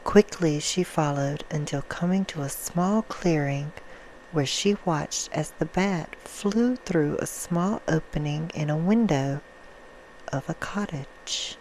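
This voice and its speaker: A woman playing a vampire who reads a bedtime story in a hushed, soothing ASMR roleplay style. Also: sits low, takes it slowly, slight background noise, low-quality recording. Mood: soft, storytelling. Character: female vampire reading a soft bedtime story.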